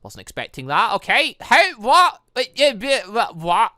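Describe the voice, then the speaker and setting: A let's player giving excited, rambling commentary on a game while reading its dialogue aloud. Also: mid-range voice, measured pace, no room sound, studio quality. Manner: rambling, animated, exclaiming.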